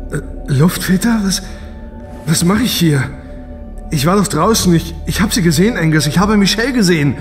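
A man's voice: high voice, animated, moderate pace, soft background music. A man playing a confused, self-doubting young husband and space traveller in a science fiction audio drama, stammering with emotion. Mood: confused, agitated.

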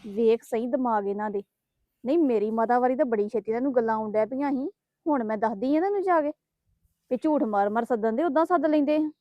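A woman's voice: on the high side, fast talker, dry recording, lo-fi sound, close to an everyday voice. An actress playing a resentful woman who complains bitterly about her in-laws in a family drama. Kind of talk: Punjabi family drama acting.

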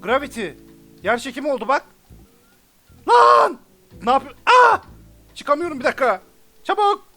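A man giving let's play commentary, excitable and often frustrated and cursing. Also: extremely high pitch, fast talker. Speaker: gamer. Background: game music.

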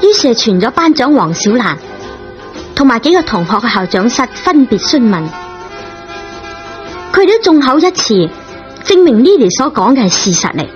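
A woman with a Cantonese accent narrating a radio drama in an expressive storytelling manner. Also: fairly high pitch, moderate pace, pauses often. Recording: dull lo-fi radio recording, music behind.

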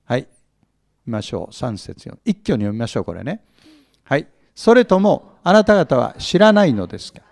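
A man's voice: mid-range voice, big pitch swings, normal speed, gravelly, a little mellow, dry recording, studio quality. A male pastor teaching from the Bible, often asking his audience questions, stressing words with force and acting out small humorous scenes. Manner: humorous, acts out little scenes.

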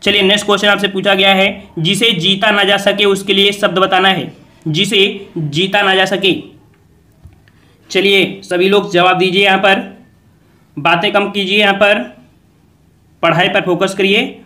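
A man's voice: high voice, level tone, a little slow, long pauses, pushed and bright. A man teaching an exam revision lesson, quizzing viewers and repeating each answer as a question.

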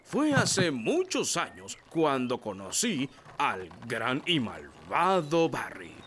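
A man's voice: mid-range voice, huge pitch swings, slow, background noise. A man voicing a bossy, theatrical elf fishing captain in a Latin American Spanish cartoon dub. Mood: ominous storytelling.

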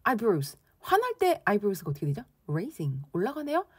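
생기 있고 약간 허스키한 여자 선생님. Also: female voice, mid-range voice, normal speed, breathy edge, no room sound, studio quality. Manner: lively, playful, acts out angry reactions. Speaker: English conversation teacher. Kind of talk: explaining English expressions in Korean.

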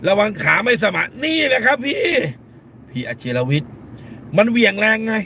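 A man's voice: sits high, very animated, moderate pace, gravelly, pushed and bright, slight background noise. A middle-aged man, a lawyer hosting a live stream, talks bluntly in casual commentary and scolds with crude slang, repeating phrases for emphasis.

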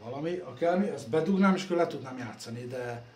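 Working on computers in his echoey workshop, a man who runs a computer repair vlog talks in a medium-pitched, animated voice, with a crowd audible in the background and faint ambience. Captured on a phone camera, he rambles casually and self-deprecatingly, his phrases fading softly at the ends.

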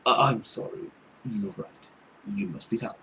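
Dashing young nobleman, acted by a male gamer: low, hushed, hesitant, vain yet polite, visual-novel game reading with clear background noise. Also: unhurried. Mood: sheepish. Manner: hesitant, soft-spoken.

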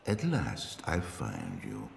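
In a vast echoing chamber, a hooded otherworldly figure questions his prey in a dark game cinematic. The voice is very low and gravelly, theatrical and insinuating, with cool mockery and menace. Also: huge pitch swings, slow pace, full character voice. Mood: coolly menacing. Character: hooded male otherworldly interrogator, menacing, coolly mocking. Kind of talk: dramatic game cinematic acting. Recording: cavernous echo, noisy ambience.

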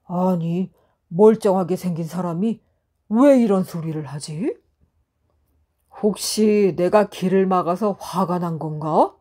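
A woman's voice: on the low side, slow pace, warm tone. A woman voicing a thirsty male traveler in a storybook, who grows puzzled and testy. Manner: exclaiming, bewildered.

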